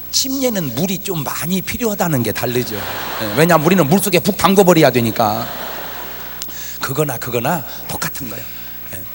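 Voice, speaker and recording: A man pastor preaching a revival sermon, swinging from soft talk to shouting and acting out quoted prayers. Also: on the high side, slight background noise. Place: large church hall with congregation. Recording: church hall reverb, faint ambience.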